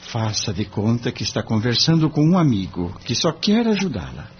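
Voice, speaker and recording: A man voicing an earnest, polite young lawyer gently reassuring a client. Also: medium pitch, big pitch swings, normal speed, natural voice. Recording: dull lo-fi with faint noise.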